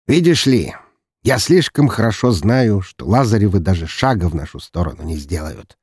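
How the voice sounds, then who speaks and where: Audiobook: male narrator playing a lazy, menacing young aristocrat, a little higher than his narration, husky. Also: expressive, normal speed, a little mellow, no echo, studio quality. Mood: mocking. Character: cruel young nobleman's son, lazy and menacing.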